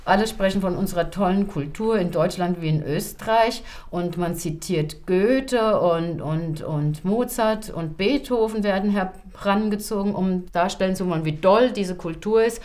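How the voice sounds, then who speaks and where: A woman's voice: medium pitch, normal speed, hardly any pauses, a little mellow. A middle-aged woman from Germany, talkative and outspoken, speaking in a casual interview at a home kitchen table. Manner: talkative, outspoken, laughs often. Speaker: host mother to refugees.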